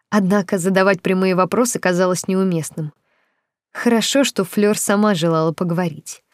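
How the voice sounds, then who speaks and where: A woman narrating a novel in the first person, with even, expressive storytelling. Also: medium pitch, no room sound, studio quality. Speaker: audiobook narrator.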